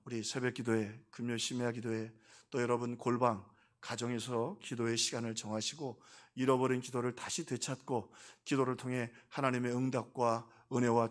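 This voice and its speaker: A middle-aged man preaching a sermon as senior pastor, telling a story and acting out its dialogue, swinging between hushed lines and emphatic ones. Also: mid-range voice. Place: church sanctuary.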